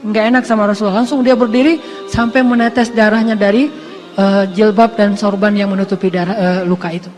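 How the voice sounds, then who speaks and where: A man with a strikingly high voice preaches in a relaxed, conversational way, slipping into acted voices and joking about himself. Faint music plays behind him. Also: fairly quick. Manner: lively, acts out quoted voices, self-deprecating asides. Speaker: Islamic preacher. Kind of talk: casual storytelling sermon.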